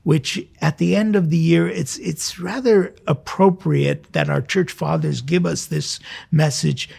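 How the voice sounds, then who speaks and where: A man with a very gravelly, husky voice speaks as a priest hosting a devotional programme. His pitch sits on the high side. He preaches informally, talking straight to his listeners and putting questions to them. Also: measured pace, darkish tone. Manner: conversational, addresses listeners directly with questions. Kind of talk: informal spoken sermon to listeners. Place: recorded in a cathedral choir loft.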